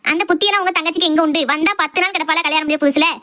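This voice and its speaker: Casting: woman as feisty Tirunelveli village mother for cartoon drama, piercingly high, rattling off complaints. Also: steady tone, pushed and bright. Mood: indignant, combative. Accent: Tirunelveli Tamil. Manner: scolding, argumentative, rapid complaints. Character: sharp-tongued, outspoken village wife and mother. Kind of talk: amateur cartoon family drama.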